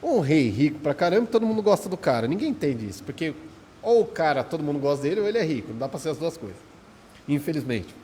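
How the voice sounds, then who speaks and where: A man with a Brazilian Portuguese accent gives an informal spiritual talk, his voice a little higher than most men's. He speaks conversationally and keeps checking in with his listeners. The sound carries a long hall reverb, with faint rain heard behind him. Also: sing-song, quick pace, warm tone, a little hiss or hum. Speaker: speaker at a Spiritist study center.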